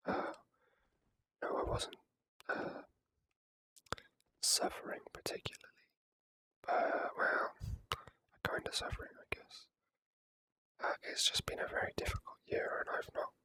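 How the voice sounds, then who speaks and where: Casting: whispering ASMR game streamer, close-miked, rambling and confiding, sharp bright hiss to the voice. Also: low-quality recording. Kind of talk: whispered ASMR gameplay commentary.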